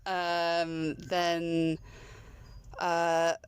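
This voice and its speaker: A woman's voice: fairly low pitch, monotone, very slow, smooth, no echo. A young woman, a fashion label founder, talking as a guest in a casual chat with many ums and likes. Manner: chatty, laughs often, many ums and likes. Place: inside a car. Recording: road noise inside a car.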